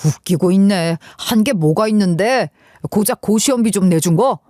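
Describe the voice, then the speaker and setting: A cold, arrogant young man, put on by a woman narrator in a dramatized radio story. He drawls his words with sneering contempt, his voice sitting at an ordinary middle pitch. The recording is dry and close. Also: moderate pace, mellow, no echo, natural voice.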